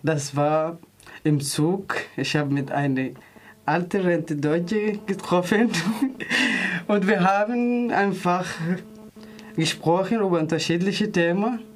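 Slow, deliberate man from Sudan. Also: sits high. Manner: slow and deliberate, with simple phrasing. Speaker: interview guest. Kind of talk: casual personal account.

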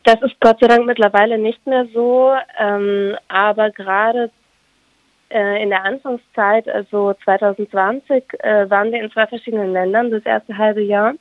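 A young woman, a Ukrainian native speaker from Germany, giving thoughtful interview answers as a singer and violinist, pausing to search for words. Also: mid-range voice, fairly even intonation, dry recording. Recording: dry, tinny phone-like line.

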